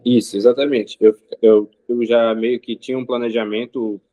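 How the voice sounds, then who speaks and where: A man, an interview guest speaking in a measured way with frequent pauses and filler sounds. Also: medium pitch, flat delivery, mellow, dry recording, highs cut off. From Rio de Janeiro state, Brazil. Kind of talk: casual interview answers.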